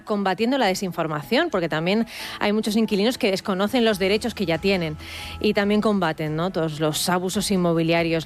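A woman from delivers a scripted news report. Her voice sits in the middle of the range, and her delivery is measured and clear. Faint music plays underneath. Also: mid-range voice. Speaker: radio reporter.

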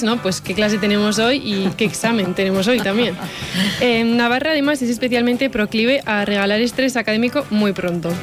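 A young woman reads a scripted radio report in a fairly high voice, keeping a brisk, bright delivery. Faint music plays softly behind her. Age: young adult. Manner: bright, brisk reading with light laughs. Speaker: student radio presenter.

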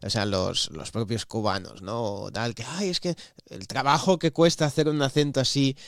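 Presentador de radio que va asintiendo. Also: male voice, mid-range voice, fairly even intonation, normal speed, vocal fry, no room sound, clean studio sound. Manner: frequent short agreeing interjections. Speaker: radio show host. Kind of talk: casual radio chat.

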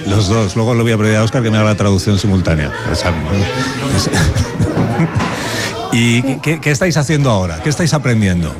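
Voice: mid-range voice, lively intonation, normal speed, over loud music. A reporter asking chatty, friendly questions in a classroom and laughing often. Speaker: reporter interviewing in a school. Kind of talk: casual interview. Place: rural classroom.

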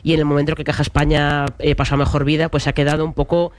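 A woman's voice: deep voice, level tone, rapid-fire, no echo. A woman from León, Spain, a podcast guest who talks hesitantly and good-humouredly. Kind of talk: casual discussion.

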